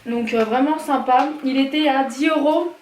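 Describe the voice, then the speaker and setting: A woman's voice: sits high, moderate pace, darkish tone. A woman from France in her thirties, chatting casually through a shopping haul with lots of fillers and hesitations. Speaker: vlogger. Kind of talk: casual product haul chat. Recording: echoey room, faint noise.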